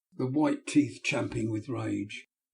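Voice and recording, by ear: This is someone reading aloud. The voice stays natural throughout.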